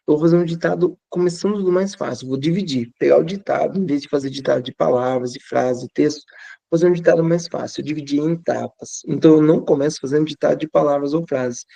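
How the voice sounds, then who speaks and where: A man's voice: a little high, fast talker, vocal fry, dark tone, no echo. A male teacher with a Brazilian accent, explaining classroom methods conversationally and repeating phrases for emphasis. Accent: Brazilian Portuguese. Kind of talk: teaching tips to fellow teachers.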